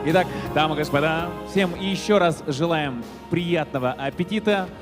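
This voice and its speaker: A man works as a wedding master of ceremonies, announcing in a showy ringmaster manner with drawn-out words. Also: on the high side. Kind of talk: bilingual event hosting in Kyrgyz and Russian. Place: large event hall, over PA. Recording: hall reverb with music behind. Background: music.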